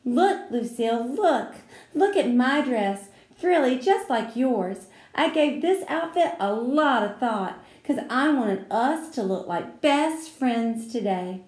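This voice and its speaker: A woman's voice: a little high, lively intonation, slow pace, darkish tone, reverberant, pitched above the performer's own voice. A woman voicing a pushy, scheming little girl who talks in a bossy, emphatic way.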